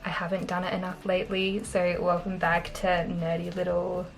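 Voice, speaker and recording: A woman's voice: lowish voice, monotone, moderate pace, soft background music. Upbeat Australian woman chatting about money. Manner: chatty, upbeat, laughs often. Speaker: vlogger. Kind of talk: casual talking-head finance vlog. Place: small bedroom indoors.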